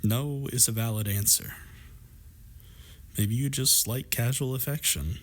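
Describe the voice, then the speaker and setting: A man acting in an intimate audio drama as a warm, teasing gay best friend, speaking in a playful, affectionate and reassuring way. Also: mid-range voice, measured pace, close to an everyday voice. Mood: supportive, reassuring.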